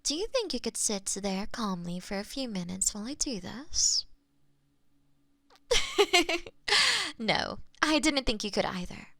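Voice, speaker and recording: Doting pet owner woman performer, playful and cooing, very animated delivery, dry close-miked binaural sound for roleplay audio. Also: medium pitch, a little slow, vocal fry, long pauses, no echo, pitched below the performer's own voice, full character voice. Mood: gently scolding. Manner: cooing pet talk, giggly, affectionate. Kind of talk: roleplay audio, intimate one-sided scene. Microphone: close binaural microphone.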